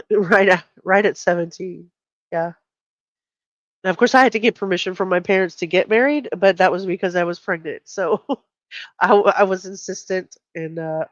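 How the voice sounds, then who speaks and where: A woman's voice: lowish voice, normal speed, dry recording, muffled recording. A middle-aged woman, hosting a casual true crime live stream, reading out and commenting in a conversational, blunt way.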